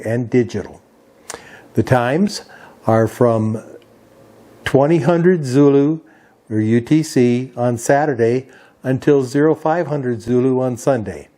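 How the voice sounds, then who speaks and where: A man's voice: mid-range voice, warm tone. A man hosting a hobby radio video, giving an informational briefing in a methodical, itemizing way. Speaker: host of a ham radio video channel.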